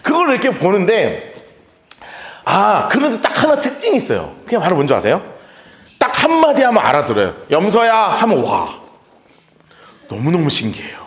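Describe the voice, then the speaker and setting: A man preaches in a high-pitched, very animated voice that swings up and down as he tells stories with a laugh. He is a pastor giving a sermon. His voice rings out in a roomy church space. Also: moderate pace, long pauses. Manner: lively storytelling, often laughing. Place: church sanctuary.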